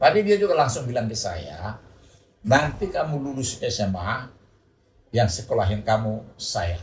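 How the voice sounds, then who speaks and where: Somewhat breathy and at a fairly slow pace, the speaker uses very wide pitch swings in a North Sumatran accent, with audible room echo. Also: man, medium pitch for a man. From North Sumatra, Batak region. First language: Batak (speaking Indonesian). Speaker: retired pharmacist and church elder. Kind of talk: casual interview.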